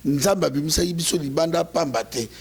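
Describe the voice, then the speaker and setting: Congolese man, political commentator, high gravelly voice, raspy, impassioned speechmaking. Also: brisk.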